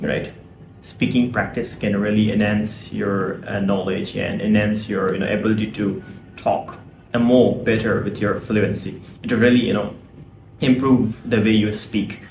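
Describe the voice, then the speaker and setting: Low-voiced man teaching English. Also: roomy sound, a little hiss or hum. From Pakistan. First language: Urdu. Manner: explanatory, often ends with a tag question. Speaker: English tutor and app reviewer. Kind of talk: tutorial screen walkthrough.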